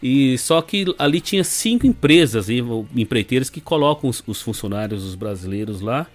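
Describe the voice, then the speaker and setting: A man's voice: mid-range voice, moderate pace. A middle-aged Brazilian man from Brazil, a podcast guest relaxedly telling his story with lots of filler tags. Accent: Brazilian Portuguese. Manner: relaxed, rambling, leans on fillers and tag questions. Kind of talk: casual storytelling interview.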